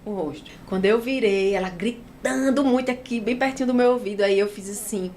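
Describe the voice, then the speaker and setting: A woman's voice: mid-range voice, brisk, slight background noise. Brazilian woman telling a vivid personal story. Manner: animated storytelling, acting out other people's lines. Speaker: guest giving a testimony.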